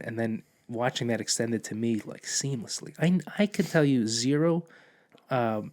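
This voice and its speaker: A man's voice: mid-range voice, a little mellow. Rambling storytelling man. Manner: rambling, restarts often, acts out quoted dialogue. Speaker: podcast guest, police officer. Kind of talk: casual conversational storytelling.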